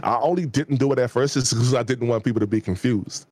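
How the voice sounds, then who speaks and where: A man in his forties from the Washington, D.C. area, speaking with a D.C. accent as a gaming YouTuber guest in a relaxed, rambling interview full of fillers and restarts. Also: medium pitch, quick pace, dry recording. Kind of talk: casual interview talk.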